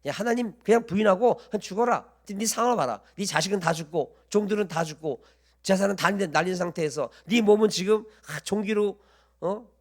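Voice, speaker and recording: A man's voice: high-pitched, brisk. A preacher voicing a scornful wife who scolds and taunts her suffering husband.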